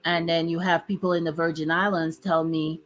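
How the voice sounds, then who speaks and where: Low-voiced woman, host of a laid-back chat; talkative, laughs easily. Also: level tone, a little hiss or hum. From Dominica. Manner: chatty, laughs often, drawn-out emphasis. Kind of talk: casual chat.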